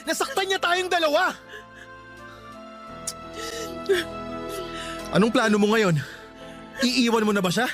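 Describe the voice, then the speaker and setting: A young lover in a radio drama. His voice is quite high, his manner attentive and insistent, and faint music runs beneath him. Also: sing-song, fairly quick. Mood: upset, insistent. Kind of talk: Tagalog radio drama acting. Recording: soft music bed underneath.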